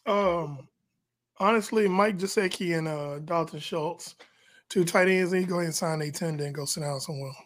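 A man's voice: fairly high pitch, normal speed, a bit bright. A man from Texas co-hosting a podcast, chatting casually and giving slangy, opinionated takes on sports. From Texas, United States. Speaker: podcast co-host.

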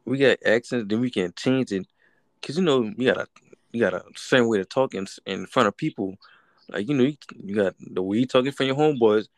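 A man's voice: medium pitch, brisk, dry recording. A man with a South Carolina accent co-hosting a casual podcast in a laid-back, slangy way. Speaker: podcast co-host. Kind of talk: casual chat.

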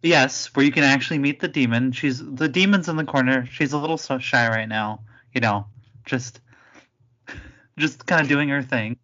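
A woman in her late twenties hosting a podcast, relaxed and a bit hesitant in casual chat. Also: extremely low pitch, normal speed, muffled recording. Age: 20s. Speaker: podcast host.

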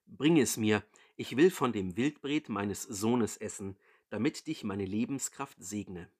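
A man's voice: lowish voice, unhurried, a little mellow, breathy edge. A man reading as a solemn old blind father. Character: old blind father blessing his sons.

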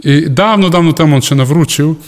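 Man, pastor, higher-pitched voice, anecdotal sermon, long hall reverb. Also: brisk. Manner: chatty storytelling, frequent restarts and chuckles. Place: church service hall.

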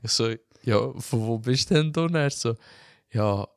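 A man's voice: mid-range voice, normal speed, creaky, clean tone, no echo, clean studio sound. A young man with a Swiss German accent, originally from Macedonia, telling a casual story in a podcast chat. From Albanian from Macedonia. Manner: animated, slangy storyteller with frequent filler tags. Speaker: podcast host.

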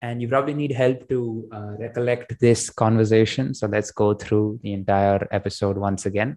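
A man's voice: on the low side, level tone, fast, a little mellow. A man hosting a language podcast, conversationally setting up questions and prompts for a teacher. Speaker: podcast host.

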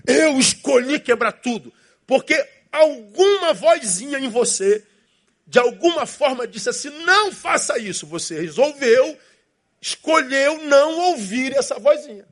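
A pastor delivers a sermon in a high voice. He preaches with emphatic repetition and acts out inner voices to make his point. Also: expressive, unhurried.

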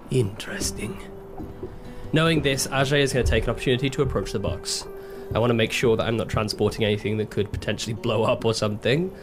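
Thoughtful man playing a tabletop game over music. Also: mid-range voice. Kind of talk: improvised tabletop roleplay, describing his character's actions.

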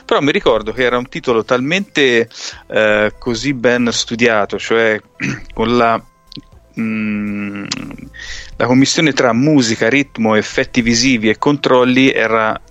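A man's voice: medium pitch, a little slow, fairly bright tone, dry recording. Casual podcast co-host, man from Tuscany, colloquial and earthy, slightly dull recording with music. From Italy, near Grosseto in Tuscany. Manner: colloquial, mildly profane. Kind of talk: casual chat, reminiscing about arcade games.

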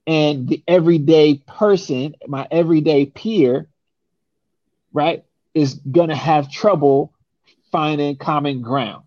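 A man's voice: fairly high pitch, slow pace, darkish tone, dry recording, highs cut off. A young man from San Francisco, talking casually and emphatically, often ending points with a rhetorical "right?". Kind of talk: casual conversation.

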